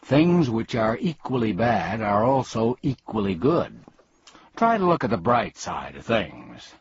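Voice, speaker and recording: A man voicing a pompous, excitable, long-winded humbug bug in a storybook, with florid, wheezy speech. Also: lowish voice, measured pace, highs cut off, a little hiss or hum. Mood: bright, advising. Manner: florid, repetitive wordplay. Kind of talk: storybook character reading.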